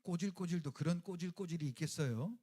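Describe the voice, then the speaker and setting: A man's voice: brisk, breathy edge. A male pastor preaching a sermon in a colloquial, dramatic way, acting out quoted lines and joking with the congregation. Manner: dramatic, acts out quoted lines with swings in pitch and loudness.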